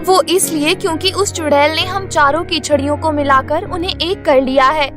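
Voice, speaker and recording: Lady voicing an anxious polite cartoon fairy, extremely high voice, faint music behind. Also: steady tone, normal speed, lightly acted. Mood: urgent. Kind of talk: cartoon story dialogue.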